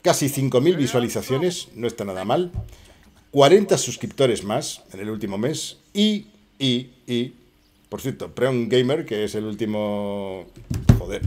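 Middle-aged spanish guy gaming on a headset, mellow voice, jokey and sweary, lots of asides to the chat. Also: mid-range voice, animated, a little slow, a little hiss or hum. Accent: Spain Spanish. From Spain. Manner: joking, swearing, chatty asides to viewers. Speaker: gaming channel host. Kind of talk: casual gameplay commentary.

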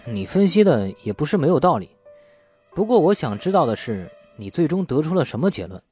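A man's voice: fairly high pitch, sing-song, brisk, dark tone. A man voicing a cornered male suspect in an audiobook, arguing back sardonically with rhetorical questions. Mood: composed, challenging. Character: cornered, cheeky, argumentative male suspect talking back to police. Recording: faint music bed under the voice.

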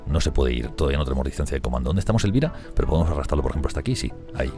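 A man commenting on a strategy game he is playing, talking fast and excitably, swearing and laughing often. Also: rumbling low, over music. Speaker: gameplay streamer.

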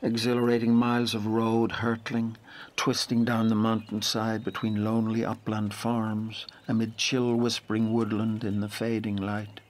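Guy acting a storyteller for an audio drama, lowish voice, brooding and lyrical, really measured. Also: completely flat delivery, lightly acted. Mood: evocative. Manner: measured, lyrical, deliberate phrasing. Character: brooding male storyteller of a boy's lonely journey. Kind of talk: literary audio drama narration.

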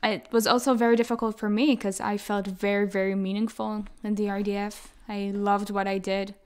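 Speaking fairly quickly in a clear, resonant, mid-pitched voice, this Israeli woman in her twenties, a native Hebrew speaker with an American accent, is a guest in a laid-back interview. She comes across as earnest and tends to double her words for emphasis.

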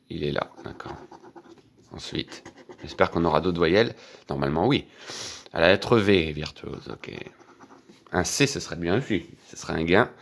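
A man, quietly commenting as he scratches lottery tickets for his channel. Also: low voice. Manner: quiet running commentary, excited when winning. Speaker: scratch-card vlogger.

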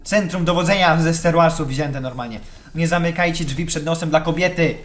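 A man giving chatty live commentary on a horror game, excitable and shouting when scared. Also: on the high side, fairly quick. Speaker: let's play gamer.

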